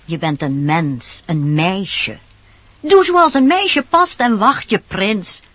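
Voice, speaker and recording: A woman's voice: medium pitch, expressive, slow, a bit bright, no echo. An actress in a Dutch radio play voicing a scheming peddler woman who coaxes and wheedles insistently. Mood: sly, persuasive. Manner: wheedling, insistent sales patter. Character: disguised scheming peddler woman, coaxing and sly. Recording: dull noisy old radio recording.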